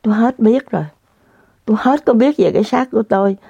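A woman's voice: fairly high pitch, a little fast, vocal fry, mellow, slightly rough, no echo. A woman telling a story to her viewers in a casual, dramatic, exclamatory way. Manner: dramatic, exclamatory, speaks straight to the audience. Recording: dull lo-fi dry recording.

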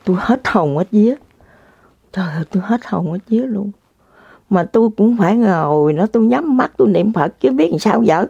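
A woman tells her viewers a story, speaking straight to them in a casual, dramatic, exclamatory way. Her medium-pitched voice is brisk, gravelly, dark and slightly rough, with lively intonation. The recording is dull, lo-fi and completely dry, with no room sound.

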